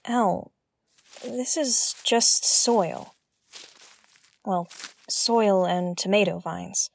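A woman's voice: medium pitch, drawn-out words, gravelly, full character voice. A woman playing a wary, wry investigator aboard a derelict spaceship in an audio drama, speaking hesitantly. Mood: uneasy. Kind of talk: naturalistic audio drama acting.

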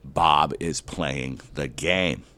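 Deep-voiced man telling a lively story. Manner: animated, with sudden loud bursts and slow dramatic drops. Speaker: elementary school teacher. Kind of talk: personal story told to an audience.

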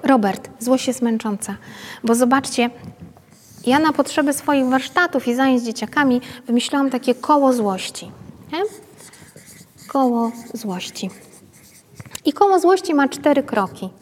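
A woman's voice: sits high, normal speed, slight background noise. A woman, a pedagogue, giving an informal workshop talk to a group, chatty and often checking in with her listeners through tag questions. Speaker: pedagogue leading a parenting workshop. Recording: long reverb from a hall.

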